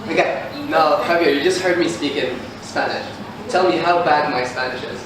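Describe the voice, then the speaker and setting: A man's voice: on the high side, moderate pace, a crowd in the background. A man co-hosting a casual language-learning chat, chatty and laughing often. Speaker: co-host. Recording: echoey room, far mic, noisy.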